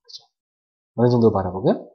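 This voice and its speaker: Animated Korean-speaking pastor, lively pitch. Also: male voice, fairly quick. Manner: animated preaching with sound-effect words and questions to the congregation. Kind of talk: sermon. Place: church service. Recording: dull lo-fi church video recording.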